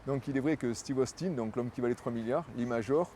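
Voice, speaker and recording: Man, festival director, quick speech, warm mellow tone, promotional, faint street noise. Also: mid-range voice. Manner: fluent, promotional, repeats words while thinking. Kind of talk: interview answers.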